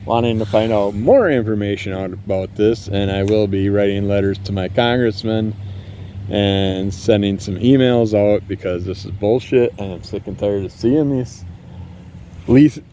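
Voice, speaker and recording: A fairly low, dark male voice at a moderate pace carries a little hiss or hum. He's a podcast host with multiple sclerosis, ranting solo and casually, angry, blunt and profane, out in the night air. Distant fireworks and passing vehicles are audible.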